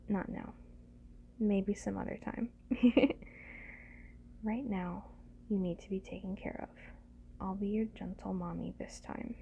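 A woman performs an ASMR role-play as a doting, gentle lover. She murmurs soothing sweet nothings slowly and intimately, in a soft, mellow, breathy voice with some fry at the edges. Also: medium pitch, a little hiss or hum.

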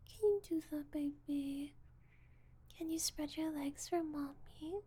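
A woman in a whispered audio roleplay, voicing a possessive, controlling woman who calls herself Mommy and talks slowly, coaxing and condescending. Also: high voice. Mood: taunting. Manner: soft breathy whispering, slow and coaxing; condescending, teasing.

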